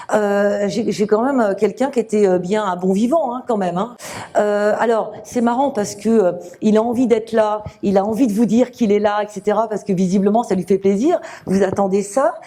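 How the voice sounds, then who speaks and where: A woman medium giving a live reading to an audience, speaking gently with many fillers and restarts. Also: medium pitch. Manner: gentle, reassuring address to the sitter.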